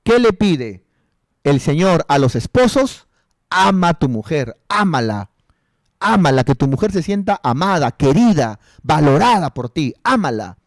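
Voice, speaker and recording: A man's voice: on the high side, sing-song, measured pace, dry recording, clean studio sound. A male pastor giving a counseling sermon, repeating rhetorical questions and calling his listeners brother and sister.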